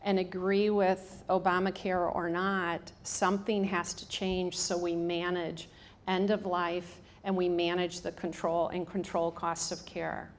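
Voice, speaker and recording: A woman's voice: lowish voice, level tone, measured pace. A woman in her fifties with a strong Michigan accent, giving a casual public talk to an audience with many ums and restarts. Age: 50s. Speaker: hospice staff speaker. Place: room with a live audience.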